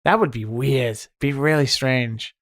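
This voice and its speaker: Soft-voiced British-accented man from Wales, rambling podcast co-host, dry booth sound. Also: medium pitch, measured pace, no echo. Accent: mostly neutral British with some American pronunciations. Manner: soft-spoken, rambling, says "like" often. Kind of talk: casual podcast chat.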